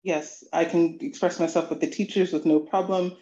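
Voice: mid-range voice, fairly even intonation, normal speed, mellow, a little hiss or hum. Earnest interviewee in an echoey room. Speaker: interviewee, language student. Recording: echoey, muffled lo-fi audio.

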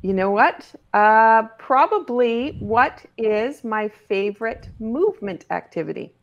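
A woman's voice: fairly high pitch, expressive, takes it slowly, muffled recording. Playful woman. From Cape Breton, Nova Scotia, Canada. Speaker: podcast guest. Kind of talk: casual, playful interview chat.

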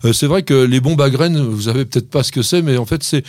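A man hosts a gardening show, talking listeners through practical tips with a steady, instructive manner. His voice sits in a middle register and is recorded close and dry, with no room sound. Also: mid-range voice, quick pace, dry recording. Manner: didactic, addressing listeners directly. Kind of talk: radio gardening advice chat.

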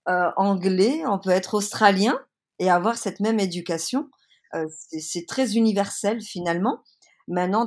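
A fairly low, slightly mellow female voice belongs to a Frenchwoman guesting on a casual interview. She speaks earnestly but hesitates a lot, and she's a bit under the weather with a cold.

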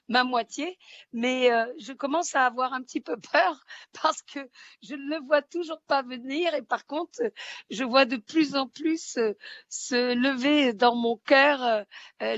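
A woman's voice: a little high, a bit bright, no room sound. A woman from southern France speaking as a radio guest in a casual, impassioned way, repeating phrases for emphasis. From Marseille, southern France. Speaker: radio guest, writer and film-maker. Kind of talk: casual phone-in chat. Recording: slightly dull, dry sound.

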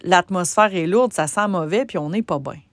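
A business coach with a Québécois French accent hosts her own podcast, speaking conversationally with frequent pauses and restarts. Her voice is fairly low, and there's no room sound.

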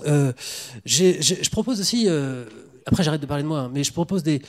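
A man hosts a panel of historians with a fairly high but mellow voice. He is chatty and makes self-deprecating asides as he hands questions around. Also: expressive, brisk. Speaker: host, moderator. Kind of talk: panel discussion.

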